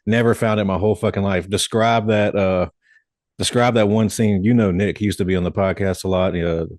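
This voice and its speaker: This is a man hosting a podcast with a very low voice. He talks in an easygoing, curious way and swears casually. The sound is dry and close. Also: fairly even intonation, brisk, darkish tone, no echo. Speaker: podcast host. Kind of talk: casual interview chat.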